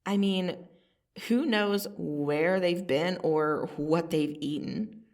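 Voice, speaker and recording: A woman playing a cocky, teasing vampire assassin in an ASMR roleplay, casually menacing, with a sardonic delivery and long pauses. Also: fairly low pitch, darkish tone, recorded from a distance. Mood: scornful, mocking. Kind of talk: ASMR roleplay monologue to the listener.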